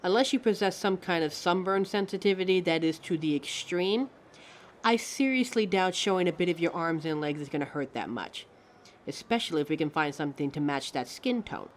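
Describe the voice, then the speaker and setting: Living mannequin, female woman acting: pompous fashion expert, lowish pitch, affected roleplay delivery, noisy home recording. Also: lively intonation, fairly quick, natural voice. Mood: patient, instructive. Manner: pompous, affected, instructive, calls listener darling. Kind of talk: scripted roleplay audio addressed to the listener.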